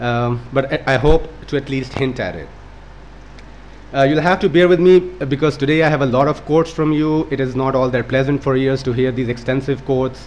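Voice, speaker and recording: Noticeable background noise beneath a man's fairly even intonation. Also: medium pitch for a man, fairly quick pace. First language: not English. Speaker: academic speaker. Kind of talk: lecture. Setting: seminar room with audience. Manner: formal.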